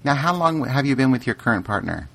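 A man's voice: medium pitch, big pitch swings, gravelly, fairly bright tone. Laughing, curious talk-show host man. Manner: inquisitive, quick to laugh. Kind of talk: casual interview chat.

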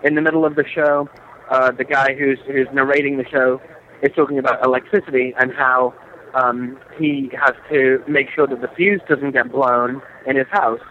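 A man with a British accent calling in to a podcast from a theme park, telling crude stories with a deadpan delivery. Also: mid-range voice, normal speed, narrow, tinny audio, slight background noise. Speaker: caller reporting from a theme park. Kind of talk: casual phone chat.

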